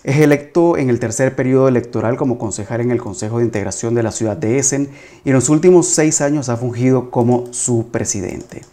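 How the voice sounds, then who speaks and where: A man's voice: mid-range voice, fairly quick, mellow. A man hosting a political talk show, addressing his audience in a formal presenter's manner. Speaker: host, journalist.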